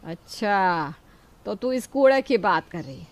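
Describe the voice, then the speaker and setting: A woman's voice: medium pitch, expressive, a little slow. A middle-aged woman playing a kind, protective mother-in-law who scolds yet shields her daughter-in-law.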